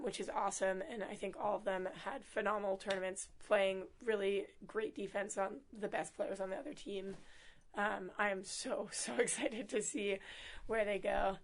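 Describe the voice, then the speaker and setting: Hoarse young woman, upbeat and chatty. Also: medium pitch, a bit bright. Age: young adult. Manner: upbeat, laughs often, many fillers. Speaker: student athlete, team captain. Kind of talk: casual interview.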